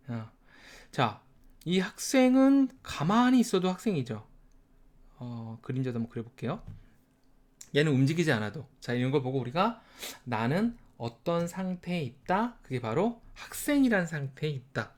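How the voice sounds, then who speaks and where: A man teaches at a whiteboard and explains each step in turn, with an animated voice that rises and falls a lot. He drills short phrases slowly and over and over, and he opens each new point with a short prompting word. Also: on the high side. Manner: starts sentences with a prompting filler. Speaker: English teacher. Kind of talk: whiteboard lesson.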